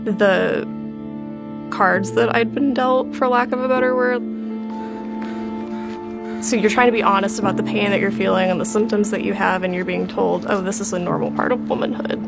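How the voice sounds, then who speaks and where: A woman shares a personal account in a conversational way, with clear vocal fry at a middling pitch. Guitar music is loud behind her voice. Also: steady tone, normal speed, long pauses. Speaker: patient sharing her experience.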